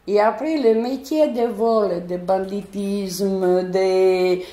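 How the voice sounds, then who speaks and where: A woman with a foreign accent, telling a personal story in an animated, hesitant way, full of restarts. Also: mid-range voice, slow. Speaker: interviewee, neighbourhood resident. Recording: roomy echo.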